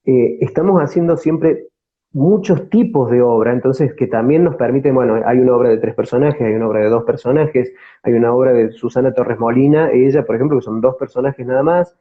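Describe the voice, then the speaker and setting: A man's voice: mid-range voice, fairly quick. Córdoba-accented Argentine man, dull lo-fi sound. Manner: hesitant, searching, repeats words as he goes. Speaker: theatre company actor, interview guest. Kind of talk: conversational interview answers.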